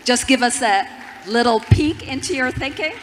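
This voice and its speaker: A woman's voice: a little high, normal speed, a crowd in the background. A woman from Turkey moderating an onstage conference chat, eager and prodding, stumbling over restarts. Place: large conference hall stage. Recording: reverberant hall with audience noise.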